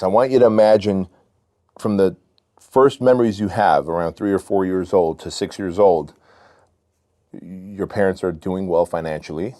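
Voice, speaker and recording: A man's voice: low-pitched, dark tone. A man in his forties from Armenia, a podcast guest telling his story in a candid, loose way. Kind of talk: casual storytelling.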